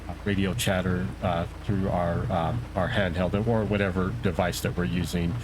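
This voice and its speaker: A man giving a casual, conversational gaming tutorial in an unhurried, slightly hesitant way. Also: deep voice, little pitch movement, background noise. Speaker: streamer and tutorial host, playing a police officer. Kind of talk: casual tutorial and game roleplay commentary.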